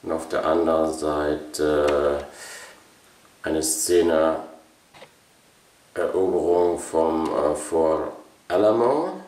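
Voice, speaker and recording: A man presenting a collection as a channel host, unscripted and casual, haltingly thinking aloud. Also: a bass voice, a little mellow. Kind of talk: casual product showcase, unscripted. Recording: roomy echo, distant microphone.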